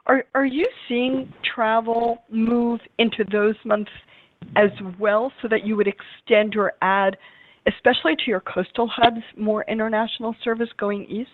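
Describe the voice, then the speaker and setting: A woman's voice: fairly high pitch, level tone, measured pace, dry recording. A woman working as a financial analyst, asking questions on an earnings call in a polite, informal, conversational way. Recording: dry, narrow phone-line audio.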